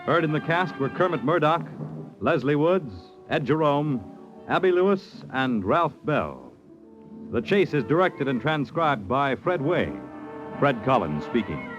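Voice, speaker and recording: A man's voice: on the high side, sing-song, highs cut off. A male radio announcer giving a formal, dramatic show close. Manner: measured, dramatic. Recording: old radio over music.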